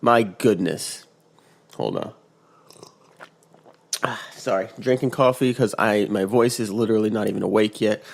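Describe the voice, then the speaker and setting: A man hosting a casual motivational podcast, just woken up and congested, rambling with restarts and acting out quotes in a higher voice. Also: a little slow, gravelly, long pauses. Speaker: podcast host. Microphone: podcast mic.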